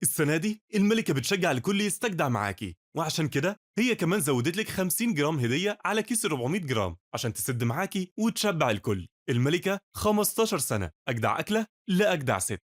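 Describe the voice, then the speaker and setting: A man's voice: a little high, very animated, fast talker, no room sound. A man with an Egyptian accent delivering scripted advertising voice-over as a commercial voice artist, recorded in a studio.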